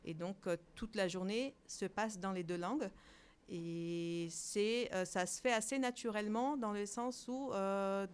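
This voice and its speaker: Smooth-voiced woman, halting school director. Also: mid-range voice, steady tone. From outside Europe. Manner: hesitant, many fillers and restarts. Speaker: bilingual preschool director. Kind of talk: interview answers.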